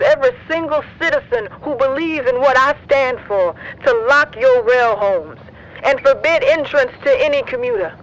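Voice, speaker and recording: A woman's voice: sits high, fairly bright tone, rough recording. An actress playing a proud, defiant woman politician making a formal, declamatory announcement over an intercom in an audio drama. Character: defiant, proud woman mayoral candidate addressing citizens. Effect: intercom or radio speaker.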